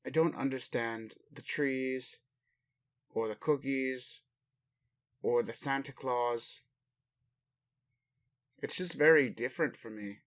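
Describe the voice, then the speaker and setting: An ancient alien father, acted by a man in a roleplay audio, talks at a slow, deliberate pace in a mid-range male voice. He phrases things formally and pauses often, doting on his human while puzzled by earthly ways. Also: medium pitch, natural voice. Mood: gentle, bemused. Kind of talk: roleplay audio addressed to the listener.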